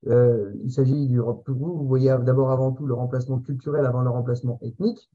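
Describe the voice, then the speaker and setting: A man's voice: mid-range voice, steady tone, a little fast, mellow, husky. A man interviewing a guest in a political discussion, probing him and rephrasing his ideas. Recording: dull lo-fi sound.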